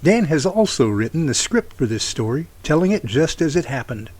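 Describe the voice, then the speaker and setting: A man's voice: on the high side, very animated, normal speed, darkish tone, slightly rough. A man hosting an audio drama series, delivering a scripted episode introduction to listeners.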